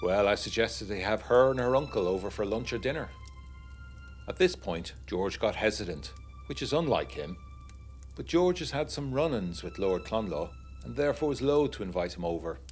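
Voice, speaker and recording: An actor with a lowish, expressive voice speaks at normal speed in a lightly acted performance, with faint music behind him. He plays a genteel, uneasy young war veteran in a gothic period audiodrama, narrating his letters in a literary, wryly confiding tone.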